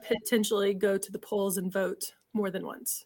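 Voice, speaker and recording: A normal speaking voice moves at a fairly slow pace. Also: woman. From US South. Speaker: podcast host. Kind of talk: interview.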